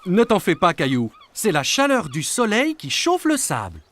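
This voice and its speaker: Animated, reassuring cartoon grown-up, voiced by a woman. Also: lowish voice, normal speed. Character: kindly, reassuring grown-up in a child's world. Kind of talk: children's cartoon dub.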